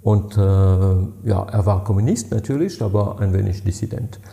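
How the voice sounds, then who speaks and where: A man in his sixties with a French accent, speaking slowly and haltingly, reaching for words between fillers. His fairly low voice is mellow and noticeably gravelly. He talks in the manner of an interview guest telling old stories. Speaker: party president, guest. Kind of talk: interview answers, storytelling.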